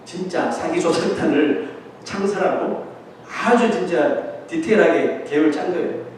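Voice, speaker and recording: A man preaching a sermon as pastor, telling the story in an animated way and acting out the voices of the people in it. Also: a little high, normal speed. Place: church sanctuary. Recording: echoey church hall, distant mic, faint noise.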